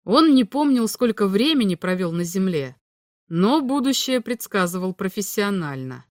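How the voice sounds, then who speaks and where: Female audiobook narrator, steady and clear, mid pitch, dry close recording. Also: normal speed, dry recording. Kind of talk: audiobook reading.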